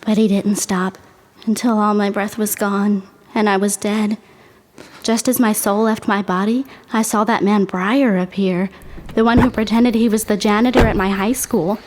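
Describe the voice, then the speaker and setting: A woman's voice: mid-range voice, steady tone, moderate pace, a little mellow, lightly acted. A woman playing an earnest, trusting teenage girl who also narrates in a horror audio drama. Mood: haunted, wistful. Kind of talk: audio drama acting and first-person narration. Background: music.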